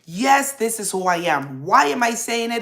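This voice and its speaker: The voice is animated, with a bright, sharp tone, a moderate pace and audible room echo. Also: woman. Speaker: podcast host and motivational influencer. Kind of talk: live podcast monologue.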